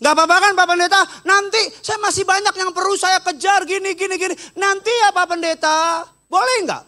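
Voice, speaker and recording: A man's voice: extremely high pitch, a little fast, pushed and bright, pitched above the performer's own voice. A man voicing a pleading male regional official who keeps putting things off. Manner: whiny, pleading excuses.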